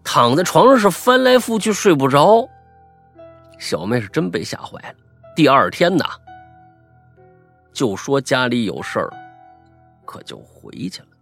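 A storyteller recounts a spooky tale with dramatic flair, stuttering words to build tension. The voice is husky and swings wildly in pitch. Soft music plays in the background. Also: very animated, measured pace, pauses often. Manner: dramatic, stammering repetitions. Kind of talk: ghost story narration.

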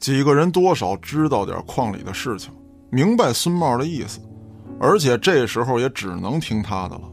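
A man's voice: mid-range voice, big pitch swings, moderate pace, creaky. A man narrating a scripted audio drama as a storyteller, in a dramatic reading style. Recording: background music under the voice.

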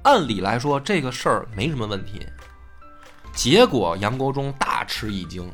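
Guy narrating history with tons of pitch swings, chatty, faint music underneath. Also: big pitch swings, normal speed, a bit bright. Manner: colloquial, acts out characters. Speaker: storyteller. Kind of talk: animated historical storytelling.

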